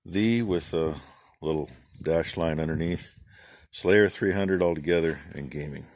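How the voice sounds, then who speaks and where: Low-voiced folksy farmer vlogger. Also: male voice, measured pace, a little mellow, no room sound, studio quality. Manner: folksy, rambling, plain-spoken. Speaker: farm channel vlogger. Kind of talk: casual rambling shout-outs.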